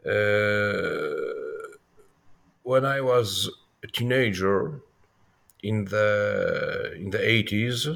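Low, creaky-voiced man, non-native English speaker. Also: a bit bright. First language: not English. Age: 50s. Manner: halting, searching for words with frequent repetitions. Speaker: historian and author interviewed. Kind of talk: thoughtful interview answers.

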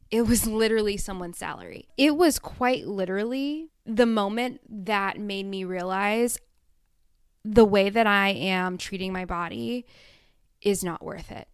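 A woman's voice: smooth, no room sound, studio quality. Blunt, swearing woman podcast host. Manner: blunt, oversharing, swears freely, mimics herself in high silly voices. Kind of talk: candid solo podcast monologue.

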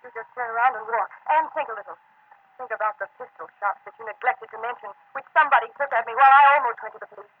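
A woman's voice: fairly high pitch, racing, slightly rough, dry recording. An actress playing a cool, polite but commanding armed woman of mystery in a 1940s radio drama. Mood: defiant. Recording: distant, tinny old radio recording.

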